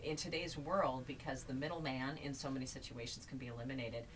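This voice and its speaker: A woman's voice: extremely low pitch, steady tone, fast, a little hiss or hum. A woman hosting an interview, affirming her guest and steering the chat with questions. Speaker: interview host. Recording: distant mic with faint ambience.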